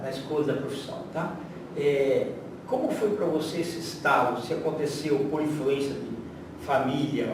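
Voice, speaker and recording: A man with a Brazilian accent hosting a conversational interview, explaining things and checking in as he goes. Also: mid-range voice. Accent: Brazilian Portuguese. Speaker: interviewer, host. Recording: very echoey, noisy room, distant microphone.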